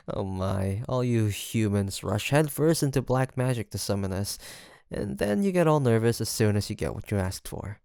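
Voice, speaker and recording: A man's voice: fairly low pitch, expressive, normal speed, gravelly, mellow, smooth, no echo, studio quality. A man playing a seductive, teasing incubus demon in an intimate audio roleplay, with a theatrical, flirtatious drawl and a smug, sweet-talking manner. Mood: boastful, seductive.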